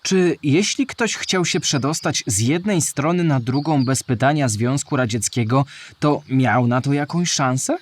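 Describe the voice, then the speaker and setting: A man's voice: mid-range voice, measured pace, hardly any pauses, lightly acted. A man playing a curious, earnest young boy animal asking eager, polite questions in a children's audio play.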